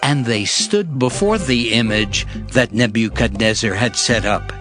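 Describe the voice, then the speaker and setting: A man narrating dramatized scripture in a solemn, deliberate storytelling manner. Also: medium pitch, over music.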